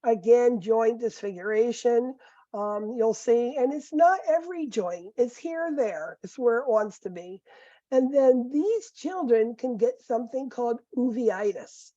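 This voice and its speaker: A middle-aged nursing professor with a squeaky voice, giving a conversational recorded lecture full of fillers and asides. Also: female voice, lively intonation, a little slow, warm tone, no room sound. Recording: dull, muffled lecture recording.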